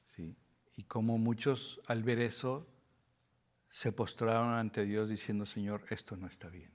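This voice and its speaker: A man's voice: on the low side, fairly even intonation, a little slow. A middle-aged man with a Mexican Spanish accent, teaching a Bible study with his wife as co-teacher. He speaks earnestly and often restarts his words.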